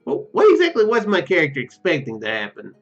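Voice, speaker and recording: A man giving casual, halting commentary as he plays through a game, musing aloud. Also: on the high side, wildly swooping pitch, gravelly, muffled recording, soft background music. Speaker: gaming video host.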